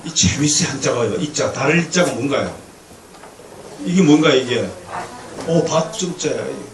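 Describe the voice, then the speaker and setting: A male pastor preaching a lively lecture-sermon to a congregation, with humor and call-and-response. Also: medium pitch, moderate pace. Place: church sanctuary. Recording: echoey hall, distant mic, faint noise.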